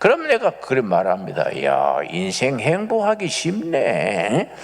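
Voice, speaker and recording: Noticeable background noise runs under this recording. A man speaks at a very slow pace. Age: 80s+. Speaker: pastor. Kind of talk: sermon. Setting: church. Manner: conversational, folksy.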